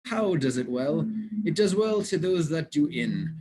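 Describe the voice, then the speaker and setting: A man's voice: a little high, lively intonation, a little slow, mellow, a little hiss or hum. A man playing a cheerful, blunt, teasing gravedigger in a theatrical Shakespeare reading. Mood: teasing, cocky. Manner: theatrical, teasing, mock-argumentative.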